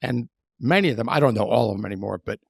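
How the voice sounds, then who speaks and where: A man in his sixties co-hosting a podcast, talking in a chatty, animated way that often trails off. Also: mid-range voice, fast, gravelly, no echo, clean studio sound. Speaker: podcast co-host. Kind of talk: casual podcast chat.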